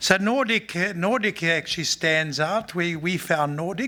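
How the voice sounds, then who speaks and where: In a South African accent, a man talks at a moderate pace in a high, bright, sharp voice, with ordinary pitch variation. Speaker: mining company executive. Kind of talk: investor presentation. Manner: halting, many fillers and restarts.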